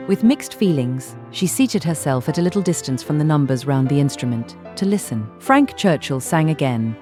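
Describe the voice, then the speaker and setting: A woman reading literary narration in a measured, formal way as an audiobook narrator. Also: low-pitched, expressive, darkish tone, faint music behind.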